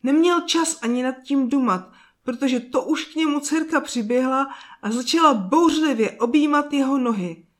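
A woman narrating a fairy tale in a slow, soft storytelling manner with drawn-out pauses. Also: high-pitched.

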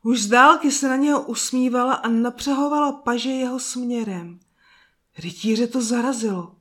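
A woman narrating a children's fairy tale in a calm, soft and slow reading voice. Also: a little high. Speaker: storyteller. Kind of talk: scripted storybook narration.

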